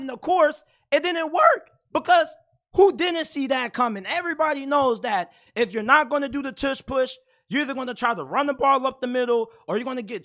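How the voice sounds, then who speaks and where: A man with a raspy, hoarse voice giving blunt, opinionated sports talk as a host, getting heated as he goes. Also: very high-pitched, fairly bright tone. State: hoarse from yelling.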